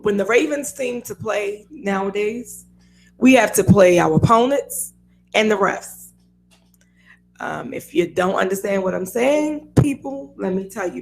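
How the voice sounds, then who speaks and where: A woman with a raspy voice hosting a casual sports talk radio show, chatty and opinionated, laughing often. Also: medium pitch, a little mellow, poor audio.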